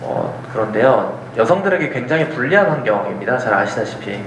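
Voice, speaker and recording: Noticeable background noise and audible room echo surround the recording. A man speaks with lively intonation. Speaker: impact investor and social venture CEO giving a talk. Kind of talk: lecture. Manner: fast.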